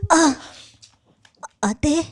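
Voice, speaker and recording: A woman's voice: high voice, drawn-out words. A woman playing a polite, eager, chattering young girl in an improvised radio drama.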